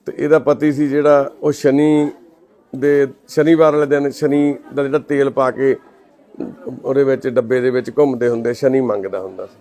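A man with a Punjabi accent, a charity volunteer making a soft, pleading appeal to the camera. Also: mid-range voice, little pitch movement, normal speed.

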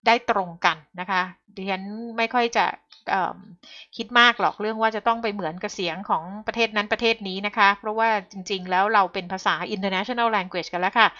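A woman's voice: medium pitch, fairly even intonation, brisk, bright, forceful tone, muffled recording. A woman commenting on the news in a talk show, polite at first and growing heated and emphatic.

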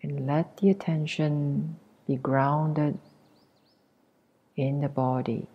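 A woman leading a guided meditation as a teacher, speaking gently with long pauses in a soft, breathy voice that nears a whisper. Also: sits low, steady tone, lo-fi sound. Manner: gentle, unhurried, long pauses between short phrases.

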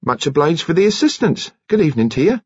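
A man's voice: fairly high pitch, big pitch swings, quick pace, husky, dry recording, lo-fi sound, voice pushed up. A man voicing a cheery, no-nonsense village nurse, a woman, in a storybook, with a comfortable, chatty manner. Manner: bright, comfortable, professionally chatty.

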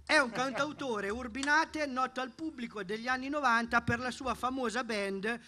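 Man, thirties, high pitch, bright tone, live stage announcing. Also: normal speed. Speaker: festival presenter. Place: outdoor festival stage at night. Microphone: microphone on a stand.

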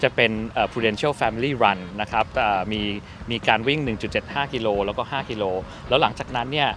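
A middle-aged man speaking as a company representative in an outdoor press interview, measured and full of hesitant fillers. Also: medium pitch, noisy background. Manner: measured, many fillers and polite particles. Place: outdoor park at an event. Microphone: press microphones held close.

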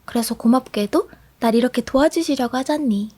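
A woman's voice: high voice, dark tone, slightly rough. A young woman voicing a bold, chatty teenage schoolgirl at the bottom of her class, teasing and asking question after question in a whispered role-play. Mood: playful. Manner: teasing, talkative, rapid questions.

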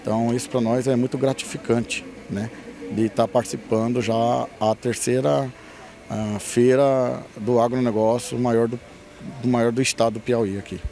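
A man's voice: medium pitch, fairly even intonation, normal speed, vocal fry, mellow. A middle-aged man with a Brazilian accent answering a TV interview as a company representative, into a handheld microphone outdoors. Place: outdoors at a farm fair. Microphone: handheld reporter microphone.

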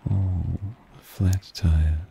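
In an ASMR roleplay aimed at the listener, a man plays a suave, possessive vampire who teases and dotes on his pet, purring with condescending affection. His low, steady, dark voice drags out words with vocal fry in a full character performance, sounding doting and amused. Rain ambience runs behind him.

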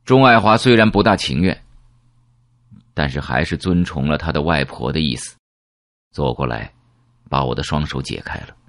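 A man's voice: very deep voice, expressive, moderate pace, long pauses, a bit bright, no room sound, studio quality. A man narrating a novel in the first person as an audiobook reader, in a dramatic storytelling style.

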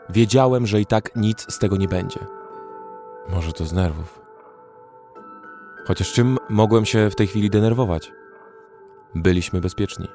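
A young man recounting his survival in a horror audio drama, telling the story in a measured, steady way with a very low voice, as an actor narrates it. Faint music sits behind the narration. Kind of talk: first-person scripted horror narration.

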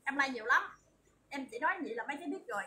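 A woman with a southern Vietnamese accent giving a chatty, repetitive livestream sales pitch as an online shop seller. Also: animated, rapid-fire. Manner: chatty, repetitive, emphatic assurances. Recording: distant mic with loud background noise.

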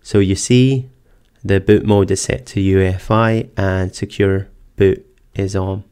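A man narrating a screen-recorded computer tutorial, calmly explaining each step in order. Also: deep voice, a little slow, smooth. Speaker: tech tutorial presenter. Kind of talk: screen-recorded software walkthrough. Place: voice-over for screen capture.

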